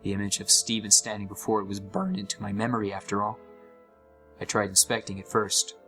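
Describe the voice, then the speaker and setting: A man's voice: fairly low pitch, brisk, music in the background, natural voice. A young man playing an uneasy gamer who narrates a scripted horror story with dramatic, suspenseful delivery. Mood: disturbed, suspenseful. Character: uneasy young male gamer recounting a haunted game.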